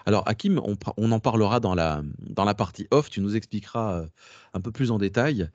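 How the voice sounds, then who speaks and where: A man's voice: on the low side, brisk, darkish tone, no room sound. A man giving a casual workshop talk to a class, digressive, slangy and chatty. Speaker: workshop presenter. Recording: dull lo-fi dry recording.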